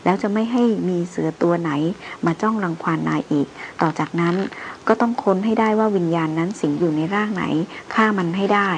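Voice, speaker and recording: A woman's voice: on the low side, a little fast, slight background noise, natural voice, poor audio. A woman reading the lines of an old male jungle tracker who is superstitious, earnest and pleading.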